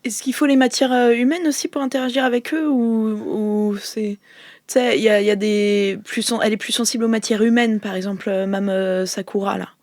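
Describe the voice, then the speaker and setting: A woman's voice: mid-range voice, steady tone, fairly quick, darkish tone, dry recording, clean studio sound. A woman chatting casually as a player in a tabletop game, in a hesitant, questioning manner.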